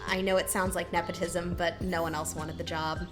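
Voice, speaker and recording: Audio drama assistant, actress as young woman, dry casual teasing, lowish register, music underneath. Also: level tone, moderate pace, close to an everyday voice. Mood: friendly, teasing.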